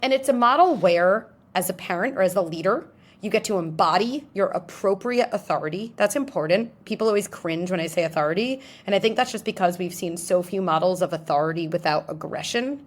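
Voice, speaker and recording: A woman being interviewed, explaining ideas in an animated way and acting out little scenarios in different voices. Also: on the low side, brisk. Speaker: guest psychologist. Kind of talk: interview answers.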